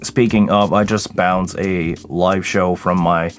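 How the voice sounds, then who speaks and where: A man hosts a relaxed livestream, greeting viewers by name in a very low, tired voice. He sounds worn out but friendly as he chats at his desk. Soft music plays faintly behind him. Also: slow. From Quebec, Canada. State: tired, voice deeper than usual this morning. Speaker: live sound engineer hosting a livestream. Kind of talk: casual livestream Q&A chat.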